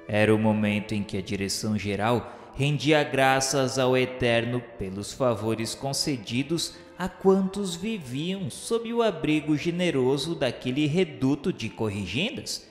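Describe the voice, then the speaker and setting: A Brazilian man with a medium-pitched, fairly everyday voice plays the remorseful male spirit of a suicide recalling the afterlife, narrating a radio novela in the first person. He speaks a little slowly with few pauses, using solemn, formal, literary diction in a reverent mood, with echoey hall reverb and music behind him.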